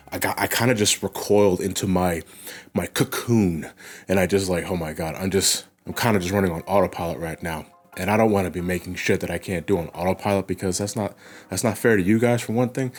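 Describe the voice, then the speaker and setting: Stuffed-up man, deep voice, casual vlog chat, swears and stumbles over his words, faint music underneath. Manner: loose, profane, stumbles over restarts. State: congested with a cold. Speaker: video channel host. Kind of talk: casual update chat to viewers. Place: at home, indoors.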